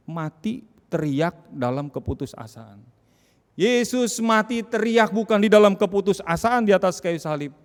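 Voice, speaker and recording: A man preaching a sermon as pastor, dramatic, swinging from loud cries to hushed tones. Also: a little high, clean tone. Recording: long hall reverb.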